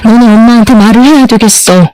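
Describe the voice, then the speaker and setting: A woman voicing a blunt, protective middle-aged aunt in a narrated story, talking briskly and indignantly. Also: a little high, a little mellow, no room sound, lightly acted, rough recording.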